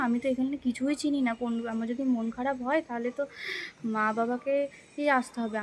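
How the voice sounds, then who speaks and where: A woman's voice: on the high side, darkish tone, a little hiss or hum. A young Bengali woman telling a personal story in a casual vlog, reflective and hesitant, with many fillers and restarts. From India. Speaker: vlogger, housewife.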